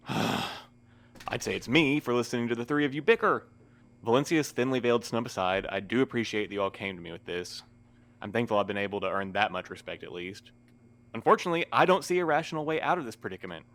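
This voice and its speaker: An actor in an audio drama playing a weary postmaster who speaks formally with dry, sardonic wit. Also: male voice, medium pitch, a little fast, fairly bright tone, lightly acted. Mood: weary, exasperated. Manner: formal wordy phrasing, dryly sardonic.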